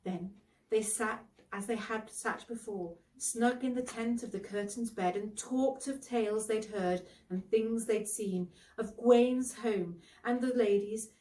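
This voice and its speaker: A woman narrating a storybook expressively, with dramatic, deliberate phrasing. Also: on the high side, darkish tone, recorded from a distance, rough recording.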